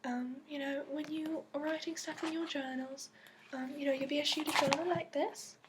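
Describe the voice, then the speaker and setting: A woman playing a gentle instructor of dragon companions in a soft-spoken ASMR roleplay with a put-on accent, often near a whisper, explaining hesitantly with many ums. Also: high-pitched, fairly even intonation, normal speed, noisy background, close to an everyday voice. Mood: patient, earnest. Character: gentle female instructor briefing new dragon companion recruit.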